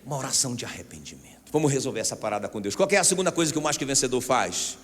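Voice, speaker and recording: A Brazilian man preaching a sermon as pastor, animated and often calling out to the congregation. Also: medium pitch, very fast. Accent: Brazilian Portuguese. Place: church hall. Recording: long church hall reverb.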